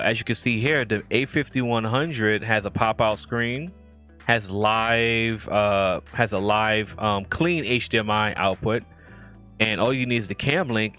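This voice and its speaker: A man's voice: on the low side, a bit bright. Casual rambling man live streaming tech talk. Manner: loose and rambling, reads chat aloud and answers viewers. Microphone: streaming mic with audio filters.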